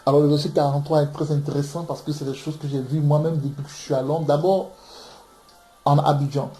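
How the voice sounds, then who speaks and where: A man's voice: fairly high pitch, little pitch movement, a little fast, mellow, soft background music. A man from Ivory Coast preaching on scripture in an emphatic way, often repeating words as he searches for them. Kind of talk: impassioned bible teaching. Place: room in London. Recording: echoey room.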